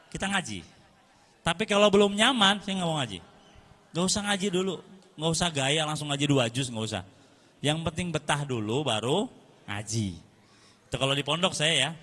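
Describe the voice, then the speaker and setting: Bright-voiced male preacher. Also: on the high side. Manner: lively storytelling, repeats phrases for emphasis. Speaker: Islamic teacher and preacher. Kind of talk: lecture to parents.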